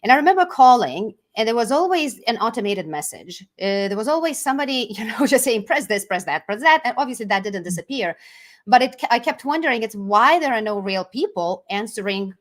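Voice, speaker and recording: A woman's voice: a little high, expressive, fairly quick, few pauses. A middle-aged woman from Lithuania with a Lithuanian accent, talking casually as an interview guest, chatty and often restarting her words. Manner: chatty, restarts words, laughs between phrases.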